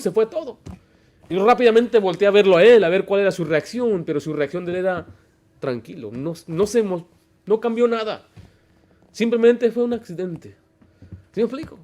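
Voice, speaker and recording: High-voiced emphatic pastor preaching. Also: male voice, darkish tone. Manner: emphatic, storytelling, rhetorical questions. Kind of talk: Baptist sermon. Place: church.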